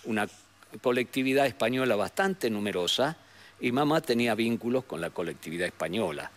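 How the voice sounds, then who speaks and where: An older man with a northwestern Argentine accent, telling memories as an interview guest in a rambling, halting way with frequent tag questions. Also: medium pitch, expressive. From San Salvador de Jujuy, Argentina. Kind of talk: reminiscing in a conversational interview. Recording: noticeable background noise.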